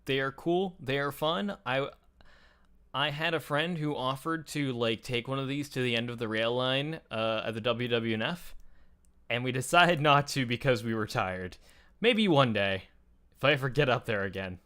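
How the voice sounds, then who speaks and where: A man's voice: mid-range voice, normal speed, a bit bright, clean tone. A man chatting casually and explaining things in a conversational, enthusiastic way, as a show host.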